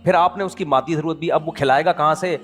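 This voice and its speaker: A middle-aged man from Pakistan giving a conversational sermon, throwing rhetorical questions at his listeners and acting out small everyday dialogues. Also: a little high. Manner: animated, asks the audience rhetorical questions and acts out little dialogues. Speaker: Islamic preacher.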